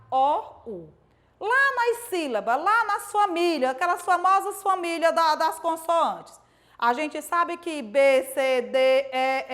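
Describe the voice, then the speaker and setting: High-voiced woman teaching small children. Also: a bit bright. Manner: explains slowly and repeats points, asking "certo?" and "né?" often; sounds out syllables slowly and drawn out. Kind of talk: recorded video lesson for young pupils.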